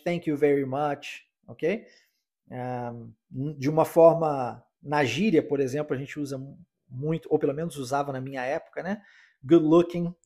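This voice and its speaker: A Brazilian man hosting a podcast English lesson, explaining in Portuguese and slowly repeating English phrases to practise. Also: fairly high pitch, a little mellow. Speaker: English teacher and podcast host.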